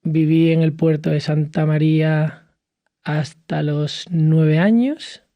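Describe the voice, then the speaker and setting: A man from Cádiz in his thirties, speaking as a podcast guest in a lively conversational way, with frequent fillers and restarts. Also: fairly high pitch, takes it slowly, no room sound. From southern Spain, Cádiz. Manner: animated storytelling with many fillers and restarts. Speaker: podcast guest, hospitality entrepreneur. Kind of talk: conversational interview.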